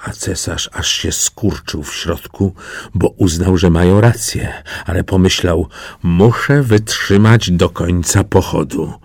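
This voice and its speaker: Slow, expressive male storyteller. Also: low voice, dry recording, clean studio sound. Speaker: reader. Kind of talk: fairy tale reading.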